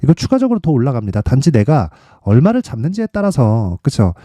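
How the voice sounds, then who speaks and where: A man hosting an informal stock market commentary, emphatic and full of rhetorical questions and tag questions as he pitches his picks. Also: huge pitch swings, fairly quick, warm tone, no echo. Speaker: stock trading channel host.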